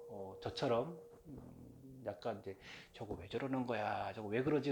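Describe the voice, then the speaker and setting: This is a man giving a relaxed, meandering lecture on his own channel. He talks in a mid-range voice, drifts between points with plenty of filler words, and throws in jokey asides. A faint background hiss runs beneath him. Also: mid-range voice, vocal fry. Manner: rambling and chatty, with many fillers and self-aware jokes; playfully mimics regional dialects. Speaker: channel host talking about folk religion. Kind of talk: casual lecture monologue.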